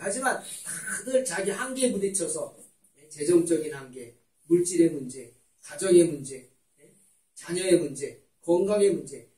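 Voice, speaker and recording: A male pastor preaching a sermon in a church. His delivery is animated, swinging between loud emphasis and quiet asides. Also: high voice. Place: church sanctuary. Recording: echoey church hall, distant mic.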